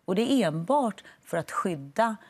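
A woman in her forties, a lawyer and studio guest on a morning TV show, explaining in a measured, firm way on a lapel mic. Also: medium pitch, sing-song, darkish tone, husky. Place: TV studio set.

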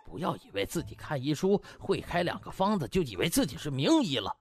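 A man's voice: on the high side, sing-song, fairly quick. A man voicing a pompous, hot-tempered rival doctor in an audiobook. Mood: indignant. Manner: pompous, blustering, obsequious to superiors. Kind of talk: audiobook character acting. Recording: music behind the voice.

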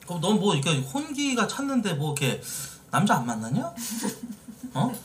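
Man, 30s, live-stream host, chatty and teasing; lively delivery, light background noise. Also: high-pitched, normal speed. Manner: talkative, teasing, addresses viewers directly. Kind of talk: casual live-stream chat with viewers. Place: indoor streaming room, seated in office chair.

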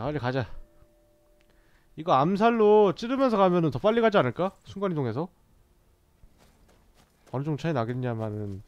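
A man giving casual let's-play commentary as a gaming streamer, joking and bantering with the characters on screen, recorded on a dull lo-fi mic. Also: a little high.

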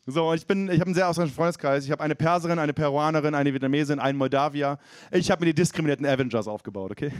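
A man's voice: fairly high pitch, a little mellow, no room sound, studio quality. A man in his thirties from East Frisia doing a self-mocking stand-up set on a comedy club stage, talking with the crowd. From East Frisia, Germany. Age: 30s.

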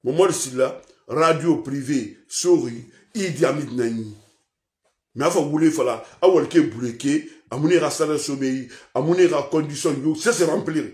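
Impassioned Guinean man in an echoey room. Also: moderate pace. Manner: swings between loud outbursts and low mutters; mixes French with a local language. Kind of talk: impassioned radio-style rant.

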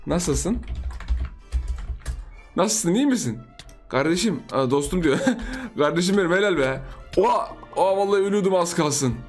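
A young man giving playful, chatty commentary over his own gameplay, repeating phrases and laughing often. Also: sits high. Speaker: gaming YouTuber.

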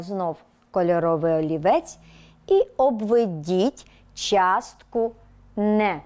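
A woman teaching a televised lesson to young children, telling a little story and dictating words slowly and clearly. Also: mid-range voice. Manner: lively storytelling tone. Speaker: primary school teacher. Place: TV studio.

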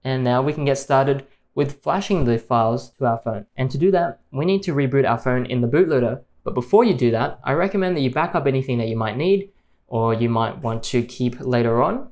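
This tech tutorial is voiced by a man with a mid-range voice who calmly talks viewers through each step over a screen recording.

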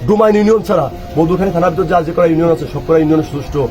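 A man with a Bangladeshi accent giving an earnest, halting eyewitness account as a protester in a street interview. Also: on the high side, music in the background. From Madhukhali area, Bangladesh.

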